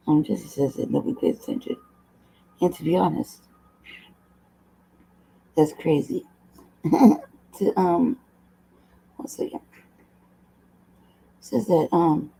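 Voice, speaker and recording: A woman host with a low, hoarse voice, chatting casually at a desk mic, rambling, laughing often and swearing. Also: warm tone, poor audio. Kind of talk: casual livestream talk.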